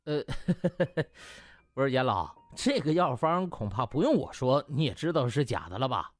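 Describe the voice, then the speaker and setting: A man's voice: medium pitch, big pitch swings, moderate pace, natural voice. A man voicing a cocky, teasing young doctor with a breezy, mocking manner in an audiobook. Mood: amused. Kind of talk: audiobook character acting. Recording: music behind the voice.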